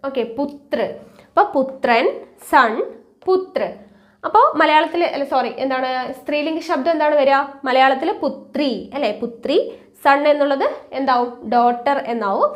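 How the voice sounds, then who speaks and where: A woman teaching a language lesson, patiently repeating words and answering her own questions. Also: high voice. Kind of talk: exam-prep language lesson.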